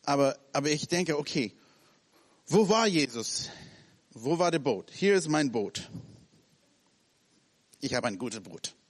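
Animated preacher man in a reverberant hall. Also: fairly high pitch, slow pace, pauses often. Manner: animated, acts out scenes in short broken phrases. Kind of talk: sermon.

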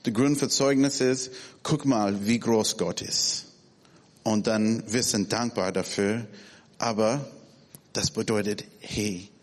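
Non-native man, forties, unhurried and hesitant church talk in a big echoing hall. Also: fairly low pitch. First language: not German. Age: 40s. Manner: halting, searching for words, many restarts. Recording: reverberant hall.

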